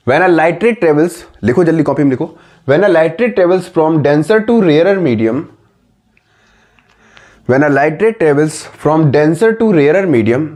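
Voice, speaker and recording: A man's voice: a little high, darkish tone. Guy teaching class physics, voice goes up and down a lot, keeps quizzing the kids. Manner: repeats key terms, asks students questions, dictates notes slowly; calls students "बेटा", "बच्चों". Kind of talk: classroom lesson.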